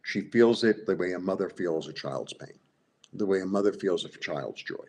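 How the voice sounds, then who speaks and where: A man with a Brooklyn Jewish accent and a very low, husky voice gives a live tarot reading. He rambles and loops back on himself. He keeps checking in with his viewers. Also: lively intonation, normal speed, a little mellow. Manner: rambling, repeats himself, many fillers; talks to viewers directly, asks "right?". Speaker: tarot reader.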